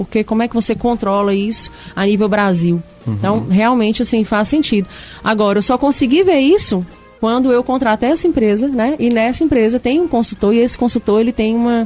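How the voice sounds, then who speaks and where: With music playing behind her, a woman talks at a fairly quick pace and a fairly high pitch, her loudness very even and her pitch varying in an ordinary way. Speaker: radio program host. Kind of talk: conversational radio interview talk.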